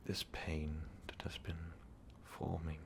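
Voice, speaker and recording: Voicing the remorseful, lovestruck vampire overlord in full character, he sounds pained and resigned, his breathy, gravelly whisper nearly monotone. The ASMR monologue to the listener comes slowly and haltingly in formal, confessional phrasing, with slight background noise.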